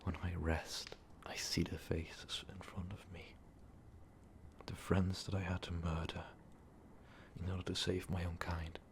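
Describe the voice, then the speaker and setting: An ancient, brooding vampire overlord, acted by a man, speaks in a very deep, half-whispered voice full of gravel. He delivers a grave, halting ASMR monologue. Clear noise sits behind the voice. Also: little pitch movement. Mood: haunted, sorrowful. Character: ancient brooding male vampire overlord confessing his dark past. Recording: noticeable background noise.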